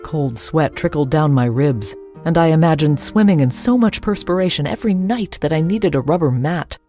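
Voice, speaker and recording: A woman's voice: low voice, lively intonation, moderate pace, mellow, faint music behind. A woman reading a first-person ghost story as its narrator.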